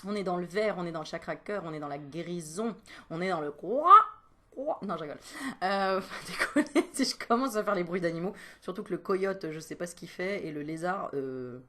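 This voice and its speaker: A woman's voice: fairly low pitch, brisk. Giggly woman doing an animal card reading, chatty, teases the viewer and laughs at herself. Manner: giggly, playful, self-mocking asides; teasing, talks straight to the viewer.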